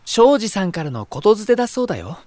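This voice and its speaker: A man playing an unruffled, poetic young younger brother in a voice drama, elegant and gently persuasive. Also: high voice, very animated, fast talker, dry recording. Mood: serene. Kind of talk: Japanese voice drama acting.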